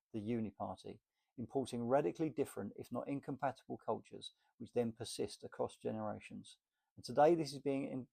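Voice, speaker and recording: A man's voice: mid-range voice, vocal fry, dark tone, slightly rough. A man reading a political essay aloud in an emphatic, list-like delivery. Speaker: reader.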